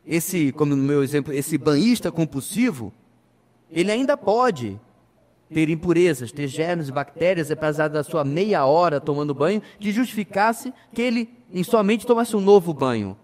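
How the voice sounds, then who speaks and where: A man preaching a sermon as pastor, addressing the congregation as brothers, emphatic with slow pauses. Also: a little high, expressive, a little mellow. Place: church. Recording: reverberant church hall.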